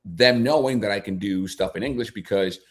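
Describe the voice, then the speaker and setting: A low-voiced man whose first language is Spanish chats on a sports radio show. He talks in halting phrases, stops and restarts often, and leans on fillers as he gathers his thoughts. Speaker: soccer broadcaster, guest. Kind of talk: casual radio chat.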